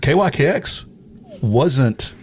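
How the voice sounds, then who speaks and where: A middle-aged radio personality from East Texas in the United States chats casually as an interview guest, reminiscing slowly with lively intonation in a medium-pitched voice. He repeats words as he thinks through his memories, and there is noticeable background noise.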